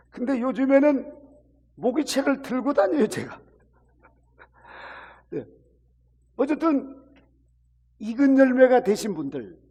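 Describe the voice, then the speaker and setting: A man's voice: very high voice, darkish tone, slightly rough, big-room sound. A man preaching a sermon to a congregation, illustrating his points with acted-out everyday examples. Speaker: pastor.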